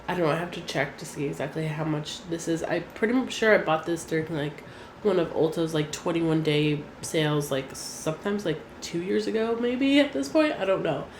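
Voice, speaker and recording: A young woman with a fairly low, nasal voice from a recent cold chats easily about her things, her talk full of "like". She is recorded in an echoey room with a faint hum behind her. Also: normal speed. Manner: chatty, frequent "like" fillers. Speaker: beauty vlogger. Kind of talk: casual chat.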